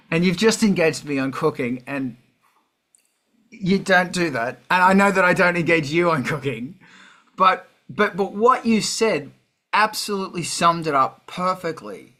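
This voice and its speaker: A man with a bright, forceful voice that sits a little high. He hosts a loose, casual chat, teasing and animated, and swears freely. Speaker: host of an online music chat. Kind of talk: casual banter.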